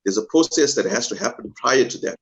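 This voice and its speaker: A man's voice: medium pitch, animated, brisk, a bit bright. A man speaking earnestly as a guest on a video call, hesitating with many fillers. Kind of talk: casual pitch talk.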